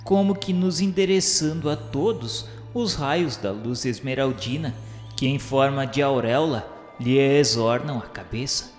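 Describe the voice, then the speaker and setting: A man's voice: mid-range voice, measured pace. A man reads a formal, reverent literary narration in a solemn scripted style. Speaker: narrator of a spiritist radio novela. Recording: echoey reverberant hall sound, music underneath. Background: music.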